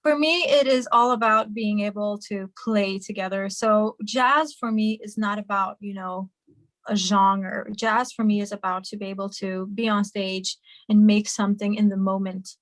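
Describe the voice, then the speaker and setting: A woman's voice: medium pitch, fairly even intonation, moderate pace, no room sound. A young woman from Hungary, a singer and musician, answering interview questions in a chatty way with many fillers and restarts over a video call.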